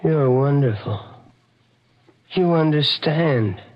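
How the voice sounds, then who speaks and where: An actor playing a nervous, lonely window dresser turned killer in old-time radio horror, speaking hesitantly with stammers. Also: male voice, a little high, expressive, takes it slowly. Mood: anxious, eager. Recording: muffled vintage radio, organ music behind.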